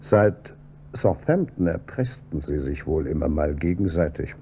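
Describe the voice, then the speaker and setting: An actor playing a calm, probing police inspector who heads homicide in a radio drama, with a dry, measured delivery. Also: male voice, extremely low pitch, heavily acted. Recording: dull, slightly noisy audio with hum.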